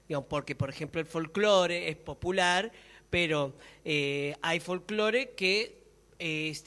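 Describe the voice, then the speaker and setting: Argentine guy arguing his point at a public talk, pretty high voice, keeps repeating words, echoey hall. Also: a bit bright. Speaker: guest speaker. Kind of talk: spontaneous public discussion. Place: public talk room in a library.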